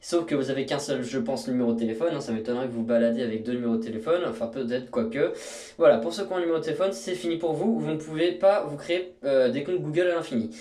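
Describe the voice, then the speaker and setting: With a mellow, medium-pitched voice and a fast delivery, a young YouTuber rambles through a screen tutorial, full of fillers and false starts. The distant mic picks up an echoey room.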